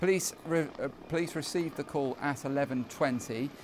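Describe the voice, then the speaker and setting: Moderate pace and fairly even intonation, with noticeable background noise behind. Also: man. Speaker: news presenter. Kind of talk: news bulletin read from a script, crisp and measured presenter delivery. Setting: studio. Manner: formal, steady, even-paced newsreader tone. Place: studio.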